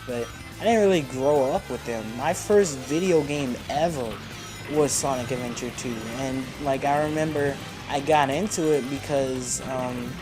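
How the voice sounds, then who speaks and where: Over background video game music, a teenage gamer of 14 gives loose, opinionated, wandering commentary on his playthrough. His voice is on the high side, and the recording is rough.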